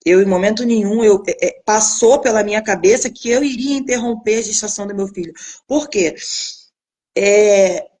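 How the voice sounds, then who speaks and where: A young woman giving an emotional personal testimony, earnestly retelling what others said in direct quotes. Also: moderate pace. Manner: earnest, retells others' words in direct quotes, lively pitch swings when reliving shock.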